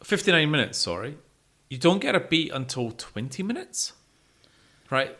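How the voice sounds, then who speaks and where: Man, bright forceful voice, lively pitch, opinionated, sweary podcast chat. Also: normal speed. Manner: emphatic, sweary, repeats himself for stress. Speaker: music podcast co-host. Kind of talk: casual opinionated music discussion.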